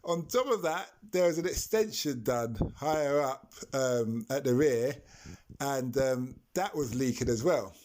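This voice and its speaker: A man's voice: medium pitch, lively intonation, a little slow, darkish tone, slight background noise. A man, a taxi driver and podcast host, telling a story in a chatty way and laughing as he goes. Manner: chatty, laughs through his stories. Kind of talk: anecdotal storytelling.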